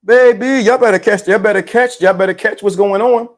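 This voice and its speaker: A man hosting a live stream, talking loosely and repeating himself in slangy, animated casual commentary. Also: sits high, fairly quick.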